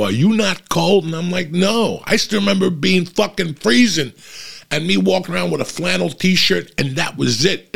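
Gravelly, foul-mouthed comic. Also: male voice, medium pitch, a bit bright. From New Jersey. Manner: profane, blunt storytelling. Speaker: comedian. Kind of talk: casual rambling monologue.

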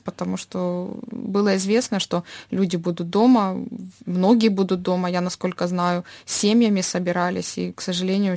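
A woman in her thirties from Ukraine, speaking thoughtfully in an interview and pausing often with fillers. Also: on the low side, creaky, no room sound. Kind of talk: reflective personal interview.

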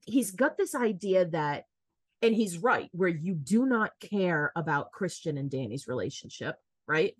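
An American woman in casual podcast chat, with a voice that sits a little low. She talks in an animated way and slips into quick acted-out lines now and then. Her sound is dry and close, with no room echo. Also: husky. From United States. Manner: animated, talkative, acts out quotes. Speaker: podcast co-host. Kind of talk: casual film discussion.

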